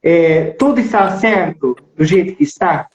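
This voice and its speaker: A man hosting a casual live interview in a relaxed, joking way. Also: on the high side, unhurried. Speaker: host interviewer. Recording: roomy, dull lo-fi sound.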